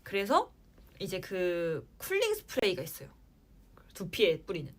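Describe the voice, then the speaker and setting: A young woman in her twenties hosting a casual livestream, answering fans in a chatty way and trailing off softly at the ends of her lines. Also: fairly low pitch, wildly swooping pitch, a little slow. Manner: chatty, playful sound words, trails off at line ends. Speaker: idol livestream host.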